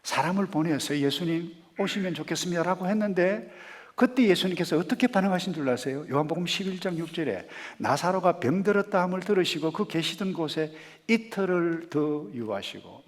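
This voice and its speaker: A man preaching a sermon as pastor, dropping to hushed murmurs and rising to loud, emphatic rhetorical questions, and leading the congregation in reading scripture aloud. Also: sits high, animated, brisk.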